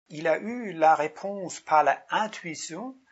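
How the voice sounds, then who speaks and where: Speaking with a Danish accent, a man goes at a very slow pace. His intonation is lively. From Denmark. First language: Danish (speaking French). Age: 50s. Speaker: lecturer. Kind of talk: lecture. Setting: small group in a private home. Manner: halting.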